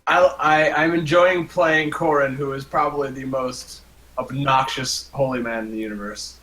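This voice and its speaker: A man's voice: medium pitch, steady tone, normal speed, bright, forceful tone. A man who plays in a tabletop game, bantering casually with friends in a jokey, teasing way. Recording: echoey room with light noise.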